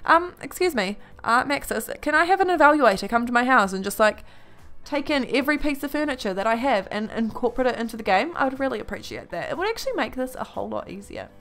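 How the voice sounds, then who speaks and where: Young woman, fairly high voice, casual gaming commentary, rambling, self-deprecating, music underneath. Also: animated, fast talker, pushed and bright. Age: young adult. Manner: rambling, self-deprecating, blunt with mild swearing. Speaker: YouTube gaming host. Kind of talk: casual chatty build commentary. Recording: music behind the voice.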